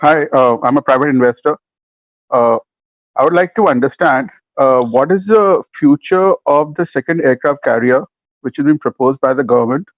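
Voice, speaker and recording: A man's voice: medium pitch, moderate pace, dry recording. A man calls in as a private investor and asks plain, direct questions. The sound is dry and close. The line audio is dull. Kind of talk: conference call question.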